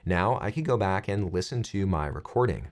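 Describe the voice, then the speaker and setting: A man in his thirties presenting a software tutorial, explaining things clearly step by step. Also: low voice, animated, moderate pace.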